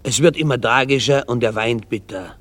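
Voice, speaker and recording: A man's voice: medium pitch, moderate pace, a bit bright. A male comedian telling jokes in a Yiddish-flavoured storytelling style.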